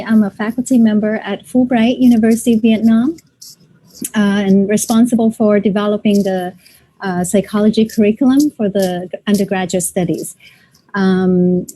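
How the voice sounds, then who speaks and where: A woman's voice: medium pitch, dark tone, rough recording. A woman clinical psychologist from Thailand introducing herself at an online seminar over a video call, friendly and using fillers. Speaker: clinical psychologist and faculty member.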